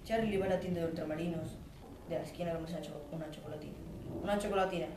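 A man's voice: on the high side, rapid-fire. A teenage boy with an accent from Spain, reading a scripted radio play as narration and dialogue. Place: school classroom. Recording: roomy classroom, distant mic, clear noise.

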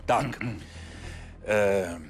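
An actor playing a stern, formal judge who admonishes the parties with frequent hesitant fillers. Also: male voice, fairly low pitch, soft background music, close to an everyday voice. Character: stern measured male judge, controlled. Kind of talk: courtroom TV show acting.

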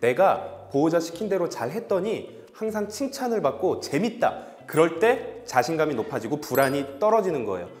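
A male dog behavior veterinarian and trainer giving an upbeat training demonstration, bursting into cheerful praise and quick commands. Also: fairly high pitch, big pitch swings, a little mellow. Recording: echoey hall with faint music.

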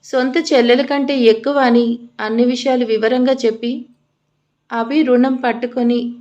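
Woman, storyteller, scripted narration, steady, expressive, fairly high pitch. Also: moderate pace, highs cut off.

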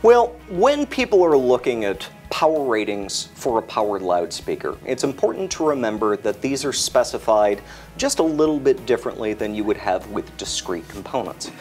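A man's voice: mid-range voice, big pitch swings, normal speed, darkish tone, faint music behind. A middle-aged American man giving a methodical, emphatic technical explanation as a product expert. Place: indoor product display set.

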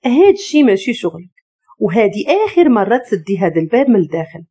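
A woman's voice: medium pitch, sing-song, fast talker, warm tone, breathy edge. A woman voicing an arrogant Moroccan husband. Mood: harsh. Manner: cold, commanding. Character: arrogant domineering young husband.

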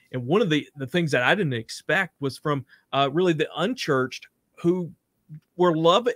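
A man co-hosts over a video call and sounds eager, catching himself with plenty of "uh" as he talks. His voice sits a bit high for a man. The sound is dry and close, with no room around it. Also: fairly bright tone, no room sound. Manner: eager, hesitant, frequent "uh". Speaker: co-host. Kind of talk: casual video call conversation. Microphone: webcam on video call.

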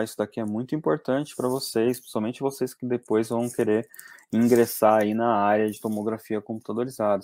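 A young Brazilian man teaching anatomy in an online class from a small room, talking conversationally and often tagging sentences with quick checks. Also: medium pitch, warm tone, dry recording. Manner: conversational, frequent tag questions. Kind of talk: online lecture over slides.

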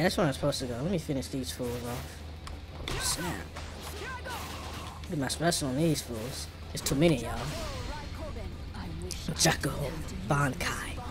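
A gaming streamer with an African American English accent, giving casual gameplay commentary. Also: medium pitch.

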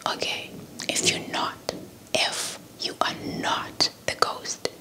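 Slow whispering young woman telling stories. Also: poor audio. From South Africa. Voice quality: breathy whisper. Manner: slow and deliberate, repeating words and phrases. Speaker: ASMR storyteller. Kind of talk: whispered ASMR folktale storytelling with playful roleplay. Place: small indoor setup before a cloth backdrop. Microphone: handheld microphone with fluffy windscreen, held close.

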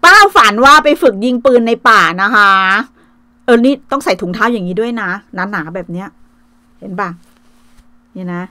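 A woman's voice: mid-range voice, lively intonation, normal speed, pauses often, bright, forceful tone, no echo. A middle-aged woman from Thailand hosting a casual livestream, coarse and taunting, swearing freely. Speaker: livestream host. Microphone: phone livestream.

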